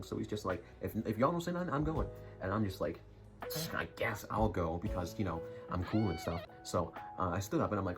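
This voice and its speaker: A young man telling a rambling school story in a casual vlog, full of jokey, self-mocking asides. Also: lowish voice. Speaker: YouTuber. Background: music.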